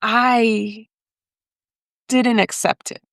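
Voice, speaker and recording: A woman's voice: fairly high pitch, level tone, extremely slow, creaky, fairly bright tone, dry recording, studio quality. A woman telling her personal story as a podcast guest, speaking hesitantly and with feeling, slipping in phrases. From raised in the United States by Mexican parents. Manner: hesitant, emotional, mixes in Spanish phrases.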